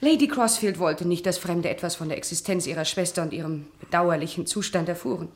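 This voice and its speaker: A woman's voice: fairly low pitch, fairly quick, close to an everyday voice. An actress playing a cool, composed woman of a villa household in a radio crime drama, formal and explanatory.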